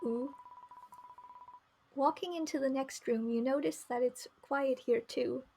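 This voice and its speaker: A woman's voice: high voice, unhurried, creaky, mellow, a little hiss or hum. A woman game streamer reading narration aloud and chatting casually as she plays. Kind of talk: live read-aloud narration with casual commentary. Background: faint music.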